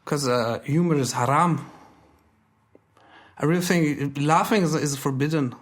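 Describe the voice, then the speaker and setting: A comedian in his thirties who grew up in Germany appears as a guest in a casual conversation. His voice sits a little high for a man, and he jokes in a wry, deadpan way at an unhurried pace.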